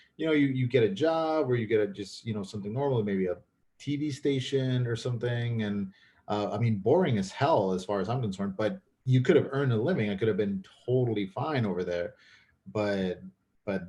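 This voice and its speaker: Talking at a fairly quick pace, a man with a Spanish accent has a dark, mellow tone and lively intonation. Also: medium pitch for a man. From Mexico. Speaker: filmmaker. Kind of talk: casual chat.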